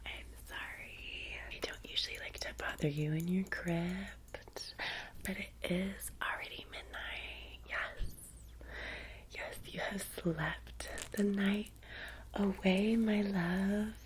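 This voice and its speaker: A woman playing a vampire's chatty, fawning young assistant in an ASMR roleplay, soft-spoken and breathy, with an American Valley girl accent and rambling, hesitant phrasing. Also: medium pitch, steady tone, takes it slowly, lightly acted. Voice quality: breathy, mostly whispered.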